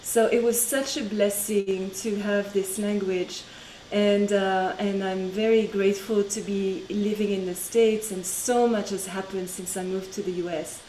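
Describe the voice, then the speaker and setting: A woman's voice: mid-range voice, steady tone, a little slow, warm tone, a little hiss or hum. Middle-aged French-accented woman, chatty guest on a video call, laughs easily, echoey room. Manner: chatty, laughs between phrases. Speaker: interview guest. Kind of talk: casual video-call interview.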